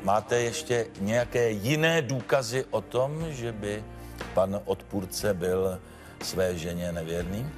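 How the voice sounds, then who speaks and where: A man's voice: on the low side, over music, lightly acted. An actor playing a stern male judge who admonishes the witness and keeps order in a TV courtroom show.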